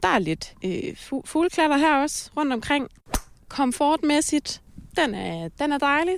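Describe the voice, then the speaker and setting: A woman speaks at a fairly slow pace with very wide pitch swings on a very clean recording with a silent background. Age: 20s. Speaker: radio intern. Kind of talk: field report; casual chat.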